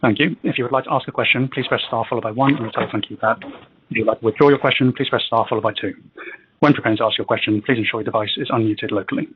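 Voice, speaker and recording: Brisk, husky male conference operator. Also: medium pitch, fairly even intonation. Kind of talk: scripted call announcements. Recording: dull, dry conference phone audio.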